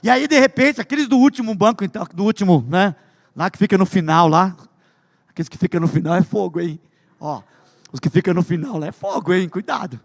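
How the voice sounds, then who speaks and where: A man preaching a sermon with humorous stories, swinging between loud emphasis and hushed asides. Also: sits high, lively intonation, a little fast, vocal fry, in a large hall. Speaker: pastor.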